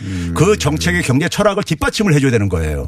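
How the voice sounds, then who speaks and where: A man races along at a very fast pace, his pitch swinging very widely, with music in the background. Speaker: economics professor. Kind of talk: radio interview. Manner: loud, raised voice.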